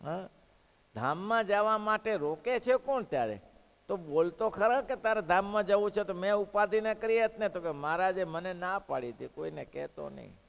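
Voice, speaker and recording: A man preaching a devotional sermon, telling a story in an animated way and putting questions to the listeners. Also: high voice, normal speed. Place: hall of a religious school. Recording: echoey hall.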